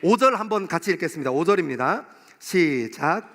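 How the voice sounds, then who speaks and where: A man's voice: a little high, expressive, a little fast, a bit bright. A man preaching a sermon as a pastor, impassioned and addressing his listeners directly with rhetorical questions. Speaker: pastor preaching to a young adult congregation. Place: church worship hall, live service. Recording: long hall reverb of a worship room.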